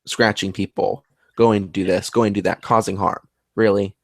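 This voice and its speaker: A man's voice: on the low side, steady tone, normal speed, gravelly, dry recording, studio quality. A man who works as a paranormal investigator, talking in casual conversation in an earnest, rambling way.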